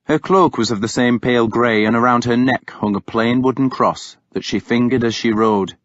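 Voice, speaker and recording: A man narrating a novel in the first person with a dramatic, deliberate delivery. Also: medium pitch, fairly bright tone, no room sound, dull audio. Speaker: audiobook narrator.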